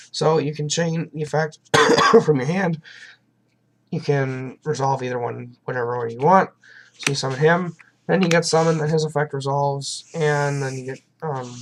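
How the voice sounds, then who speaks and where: A young man with a hoarse voice from a sinus infection, casually walking through a card game deck at his desk, rambling with lots of ums and coughs. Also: on the high side, slight background noise. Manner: rambling, self-deprecating, frequent ums and coughs. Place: at a desk at home, indoors.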